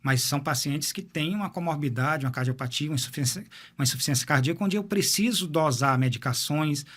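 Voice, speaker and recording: A man's voice: on the high side, fast talker, a bit bright. A man, a cardiologist guest explaining heart health in an interview, often repeating words as he thinks. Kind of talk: medical interview.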